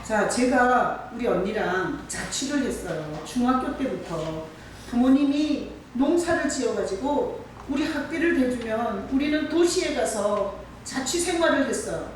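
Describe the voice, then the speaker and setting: A woman's voice: a little high, lively intonation, a little slow, a little hiss or hum. Woman pastor, conversational sermon, miked from a distance in an echoey church. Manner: conversational, asks the congregation questions. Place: church sanctuary. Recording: echoey church hall from far off.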